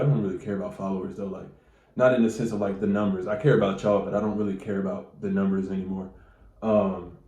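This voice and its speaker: Slangy, low-voiced man giving casual advice. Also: darkish tone, echoey room. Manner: loose, slangy, profane, talks straight to viewers. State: stuffy nose. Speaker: manifestation coach.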